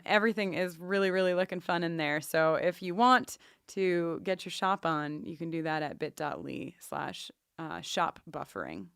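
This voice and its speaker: Smooth-voiced, effusive woman podcaster. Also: fairly low pitch, fairly bright tone, dry recording, clean studio sound. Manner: effusive, playfully repeats phrases. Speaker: podcast co-host. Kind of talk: casual podcast chat with announcements.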